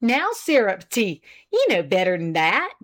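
A woman's voice: medium pitch, huge pitch swings, measured pace. A woman voicing a pompous, self-important old farmer husband with an indignant, boastful rural drawl.

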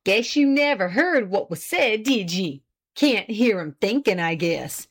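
A woman's voice: mid-range voice, expressive, unhurried. A woman voicing a pompous, self-important old farmer husband with an indignant, boastful rural drawl.

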